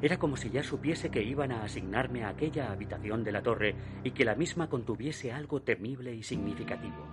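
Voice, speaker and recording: An actor playing a man in his thirties who recounts a recurring nightmare, narrating a radio drama in a measured, hushed way that sinks almost to a whisper at the darkest moments. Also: mid-range voice, lightly acted. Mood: uneasy. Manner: measured, hushed storytelling that drops to a near whisper at dark moments. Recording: narration over music. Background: music.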